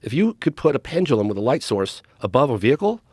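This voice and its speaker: A man's voice: mid-range voice, fast talker, breathy edge, no room sound, studio quality. A middle-aged man, a documentary filmmaker guest, telling a story in a casual podcast interview and acting out quoted dialogue. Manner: animated, acts out quoted dialogue.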